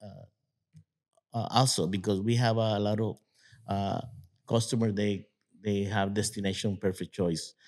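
A man in his fifties from Guatemala, Spanish-speaking by birth, talking haltingly in broken English about his plant nursery in a casual interview. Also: fairly low pitch, fairly even intonation, a little mellow. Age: 50s. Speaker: guest, nursery owner.

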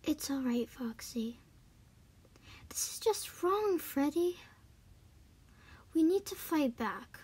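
A woman voicing a gentle, concerned female animatronic chicken in amateur fan acting, soft and earnest. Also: high-pitched, animated, slow, long pauses. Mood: soft, worried.

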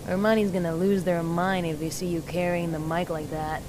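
An actress playing a scrappy, cheeky, defensive troublemaker of a mechanic in an audio drama. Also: female voice, fairly low pitch, flat delivery, moderate pace, background noise, lightly acted. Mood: brushing off.

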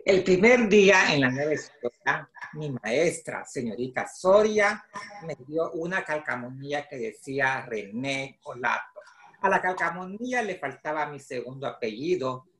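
Middle-aged male author, Salvadoran accent, slightly high voice, read-aloud delivery, very roomy video-call sound. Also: lively intonation, normal speed, a bit bright. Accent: Salvadoran Spanish. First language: Spanish. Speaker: children's book author. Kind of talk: explaining and reading a picture book aloud. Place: small home office, indoors. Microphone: video call computer microphone.

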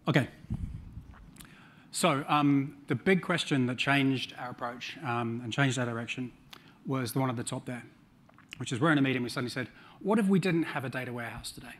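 A man's voice: medium pitch, a little fast. A middle-aged man with a New Zealand accent giving a conference talk on a large stage, with dry humor and frequent ums. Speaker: conference speaker.

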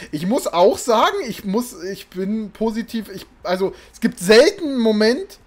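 A man's voice: fairly high pitch, darkish tone. A young man live-streaming a game at home, chatting casually and rambling to his viewers, sometimes breaking into exasperated outbursts. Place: small room indoors. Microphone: desk mic, webcam in a home room. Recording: faint game music behind.

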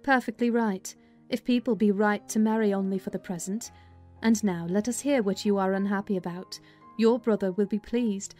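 A woman's voice: medium pitch, fairly even intonation, normal speed, darkish tone, close to an everyday voice. A woman voicing a sensible, skeptical servant woman in a dramatized audiobook, practical and chiding. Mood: dry, questioning. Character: sensible, skeptical servant woman advising her young mistress. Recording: music under the voice.

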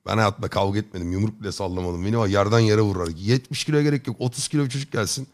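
A man's voice: on the low side, very fast. A man streaming live and chatting casually with his viewers, joking and rambling in chummy slang. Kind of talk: casual chat.

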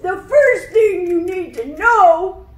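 A woman voicing a kindly old grandpa puppet in a children's show, teaching in a deliberate way. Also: very high-pitched. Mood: patient, earnest. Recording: echoey room.

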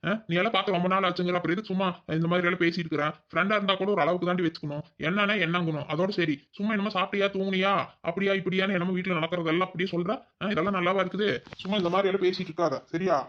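Rapid curt cartoon husband, voiced by a man. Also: high-pitched, fairly even intonation, lo-fi sound, lightly acted. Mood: grumpy. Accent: Kongu Tamil. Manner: curt, snapping replies. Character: sulky jealous village husband, curt and grumpy. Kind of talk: cartoon voice acting.

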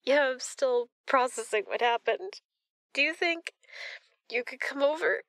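A woman playing a distraught, apologetic woman seeking comfort at night, crying and speaking softly and haltingly in an intimate audio roleplay. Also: sits high, no echo. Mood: tearful, pleading. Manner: halting, apologetic, soft-spoken. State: crying, upset.

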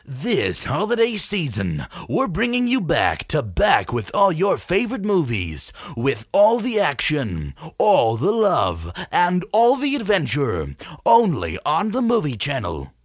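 A man performing a dramatic TV movie promo announcer with a deliberate trailer delivery. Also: a little high, huge pitch swings, dry recording, clean studio sound, heavily acted. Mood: upbeat.

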